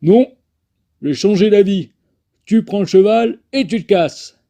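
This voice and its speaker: Guy doing a bossy gunslinger in a spoof western dub, very dark soft tone, kinda high, bickery. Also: unhurried, gravelly. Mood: bossy, petulant. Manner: petulant, bickering orders. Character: bossy, contrary male cowboy gunslinger in a parody western. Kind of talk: film dub parody.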